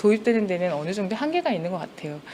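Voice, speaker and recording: A woman's voice with very wide swings in pitch. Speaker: transport policy researcher. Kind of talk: conference presentation. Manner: halting.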